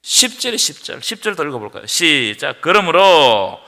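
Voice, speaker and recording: A man preaching a Friday prayer meeting sermon, rising to loud, impassioned outbursts and prompting his congregation to answer. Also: fairly high pitch, sing-song, normal speed, gravelly. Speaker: pastor. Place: church sanctuary. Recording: long reverb of a church hall.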